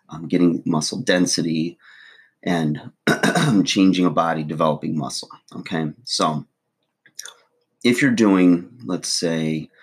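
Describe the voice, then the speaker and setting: A middle-aged man with a hoarse, froggy voice from allergies, casually chatting to camera as a fitness vlogger, loose and full of ums. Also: low-pitched. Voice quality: husky.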